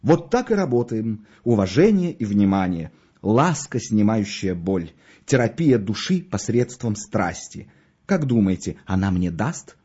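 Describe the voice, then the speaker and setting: A man voicing a smooth-talking middle-aged undertaker who gushes over his wares. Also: lowish voice, big pitch swings, unhurried, dark tone, dull audio, heavily acted. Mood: unctuous. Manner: salesman's patter, swooping with enthusiasm. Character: oily, gushing middle-aged male undertaker.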